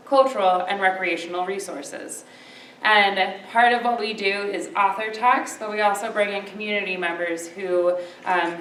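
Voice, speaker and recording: A woman's voice: mid-range voice, a bit bright. A woman hosting a library event, giving a chatty, informal welcome and housekeeping announcements with light jokes. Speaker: library community engagement coordinator, event host. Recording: echoey room, distant mic, faint noise.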